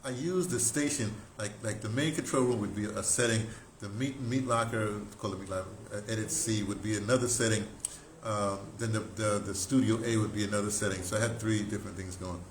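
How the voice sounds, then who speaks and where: An older American man telling stories casually as a talk host, in an excitable, rambling way with broken, repeated phrases. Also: lowish voice, a little fast, hardly any pauses. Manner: excitable, animated storyteller with broken, repetitive phrasing. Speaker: radio drama producer and talk host. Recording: roomy echo, clear background noise.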